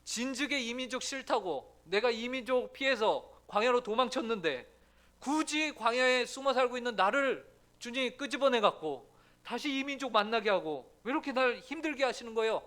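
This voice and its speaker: A man's voice: very high-pitched, lively intonation, moderate pace, sharp tone, heavily acted. A man voicing a weary, exasperated Moses who protests and whines at God during a sermon. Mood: whining. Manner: whiny, protesting.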